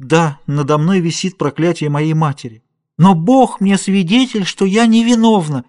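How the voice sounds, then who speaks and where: A woman's voice: deep voice, normal speed, pitched above the performer's own voice, natural voice. A man reading a novel aloud, voicing a distraught young woman who pleads through tears. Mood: pleading. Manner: pleading, sobbing, tearful.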